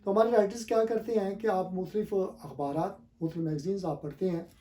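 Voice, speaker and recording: A man with an Urdu-speaking South Asian accent teaches English pronunciation classroom-style, repeating and stressing the correct forms and spelling words out letter by letter. His voice is high and warm, fast, with fairly even intonation.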